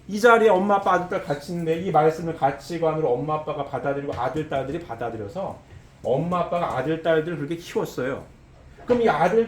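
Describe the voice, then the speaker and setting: A man preaching a sermon, asking rhetorical questions and adding quick "eh?" asides to check that listeners follow. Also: high voice, a little mellow, echoey room.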